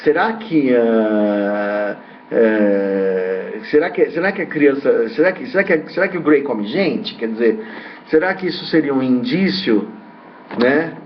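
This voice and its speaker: A man's voice: mid-range voice, expressive, measured pace, a little hiss or hum. A man, a ufologist host, giving a rambling, hesitant commentary full of repeats and tag questions. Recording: dull lo-fi recording.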